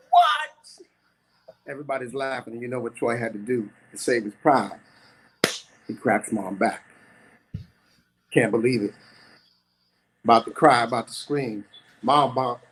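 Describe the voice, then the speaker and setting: Husky middle-aged guy at an open mic, dramatic storytelling with lots of repetition. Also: a little high, low-quality recording. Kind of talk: spoken-word storytelling.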